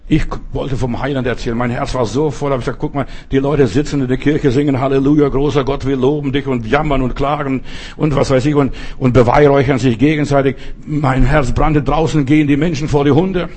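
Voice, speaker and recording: Husky preacher. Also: male voice, mid-range voice, steady tone, a little fast, darkish tone. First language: not German. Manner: fervent, repetitive, addresses listeners directly. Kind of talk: sermon with personal testimony.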